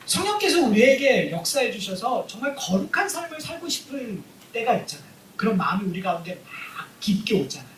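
A man preaching a sermon as a pastor. He keeps asking the congregation questions and swings between hushed asides and emphatic, rising points. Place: church hall. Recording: roomy hall, voice from a distance, faint rumble.

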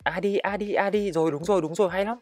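An excitable man talks through his shooter match as he plays it, his voice sitting a little higher than most men's. He calls out enemy positions and hurries his teammates along, while faint game music plays underneath. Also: fast, no echo. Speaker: gaming channel host. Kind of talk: live gameplay commentary.

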